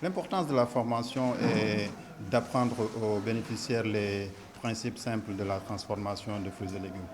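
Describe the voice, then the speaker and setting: A man interpreting a speaker's words live, pausing and hesitating often. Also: fairly low pitch, noisy background. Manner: hesitant, many fillers.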